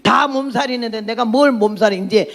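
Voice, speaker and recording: A missionary preacher in her nineties gives a blunt, outspoken sermon and testimony in a fairly bright, high-leaning voice at a slightly fast pace. She often laughs at her own remarks and fires questions at the congregation.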